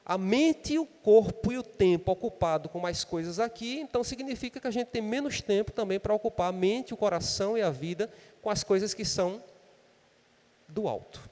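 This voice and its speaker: This high, darkish male voice moves at a normal speed, and a long reverb tail trails behind it. He speaks with a Brazilian Portuguese accent, preaching a sermon in church in a chatty way and frequently tacking on a questioning "né?".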